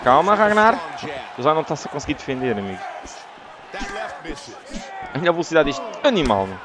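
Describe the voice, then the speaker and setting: Animated Portuguese man gaming, swinging pitch. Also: fairly quick, crowd noise. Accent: European Portuguese. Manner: animated, swings from yelling to groaning. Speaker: gaming YouTuber. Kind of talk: excited gameplay commentary.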